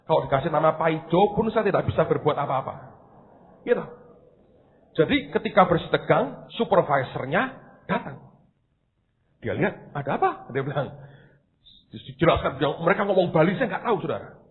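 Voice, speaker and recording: A man's voice: fairly high pitch, expressive, normal speed, pauses often. An older man preaching a sermon, telling a story and asking the congregation questions. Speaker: pastor. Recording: tinny phone-like sound in a reverberant church hall.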